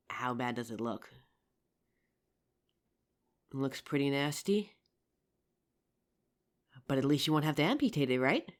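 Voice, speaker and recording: A woman plays an injured young survivor scavenging through a zombie apocalypse. Her voice sits low for a woman, and she speaks haltingly, as in an intimate roleplay audio drama. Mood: weary, wary.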